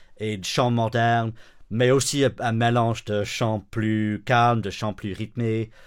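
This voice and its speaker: The very clean recording has a silent background. A man with an English accent speaks at a very slow pace in a medium pitch. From northern England. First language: English (speaking French). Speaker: worship songwriter and pastor. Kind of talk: casual interview.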